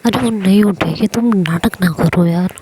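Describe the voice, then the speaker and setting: A woman voicing a bold, teasing young woman in love who scolds quickly, in an audio love story. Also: mid-range voice, dark tone, slight background noise, close to an everyday voice.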